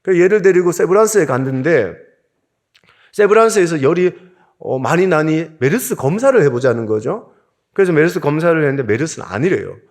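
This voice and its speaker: A man's voice: on the high side, lively intonation, a little fast, darkish tone. A middle-aged man from South Korea, a pastor preaching a sermon and telling a personal story with strong emotion.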